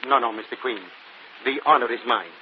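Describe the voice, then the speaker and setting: An actor playing a proud, gracious stage magician in a 1940s radio mystery, formal and courtly. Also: male voice, medium pitch, fairly quick, a little hiss or hum, natural voice. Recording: tinny muffled old radio broadcast.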